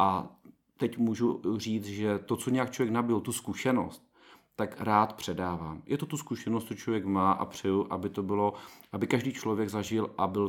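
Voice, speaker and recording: In a very clean recording with a silent background, a man uses a normal speaking voice, fairly low in pitch with ordinary variation, at a moderate pace. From Czech Silesia, Opava district. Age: 40s. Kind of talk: interview.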